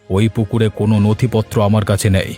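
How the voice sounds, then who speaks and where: A man's voice: on the low side, level tone, quick pace, warm tone, natural voice. A man voicing a domineering middle-aged village headman, commanding and threatening, for a cartoon. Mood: stern. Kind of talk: cartoon voice acting. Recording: faint music behind.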